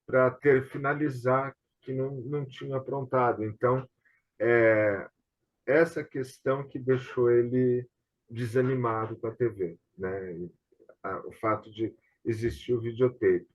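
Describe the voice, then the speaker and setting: A man with a Brazilian Portuguese accent hosts a relaxed online conversation. His pitch is average and he rambles through anecdotes, checking in with little tag questions. The sound is muffled and lo-fi, as on a video call. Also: unhurried. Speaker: host of an online tribute talk. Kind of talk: casual conversation. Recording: dull, lo-fi video call audio.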